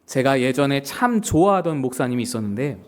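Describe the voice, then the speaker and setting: A male pastor preaching a sermon, telling stories in an animated way and acting out the people in them. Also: mid-range voice, fairly quick. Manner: animated storytelling with acted quotes.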